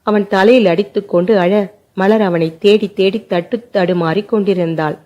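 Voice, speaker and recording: A woman narrating an emotional family short story with an unhurried, emotive delivery. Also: mid-range voice, steady tone, a little mellow, dull audio.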